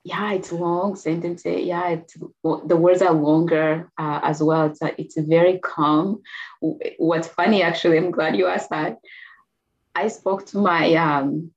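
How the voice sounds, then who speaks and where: Rwandan woman, low voice, quick storytelling. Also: fairly even intonation, lo-fi sound. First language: Kinyarwanda. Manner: quick, earnest storytelling with soft laughs. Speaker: guest. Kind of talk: personal testimony interview.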